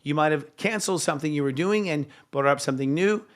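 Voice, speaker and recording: A hoarse-voiced man hosts a live astrology show in a chatty manner, often using fillers and correcting himself. His voice sits a little high, and he talks fast.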